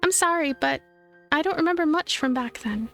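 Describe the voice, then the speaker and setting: Woman acting young heroine, visual novel, hesitant, polite, guarded, high voice, light music. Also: animated, a bit bright. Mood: apologetic, curious. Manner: polite, halting.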